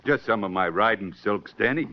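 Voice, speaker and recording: An actor playing a tiny streetwise jockey man with laryngitis, speaking in a hoarse near-whisper in a 1940s radio drama. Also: on the low side, a little fast, close to an everyday voice. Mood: hoarse, pleading. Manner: streetwise New York slang, hesitant. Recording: dull lo-fi 1940s radio recording.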